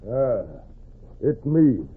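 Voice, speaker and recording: A man playing a menacing Native American chief in a 1940s radio western, with gravelly voice and terse, solemn broken English. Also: mid-range voice, lively intonation, drawn-out words, phone-quality sound, exaggerated voice. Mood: stern, menacing. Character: menacing Native American chief threatening a captive, stilted speech.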